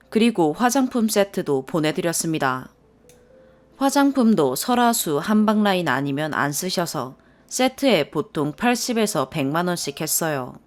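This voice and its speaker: Low-voiced woman reading a story. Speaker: story narrator. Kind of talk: scripted first-person story narration. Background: soft background music.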